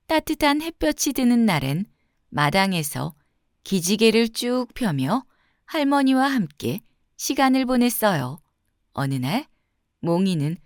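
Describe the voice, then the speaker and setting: A woman narrating a scripted fairy tale for children in a gentle, expressive storytelling manner with clear phrasing. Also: medium pitch, dry recording, studio quality.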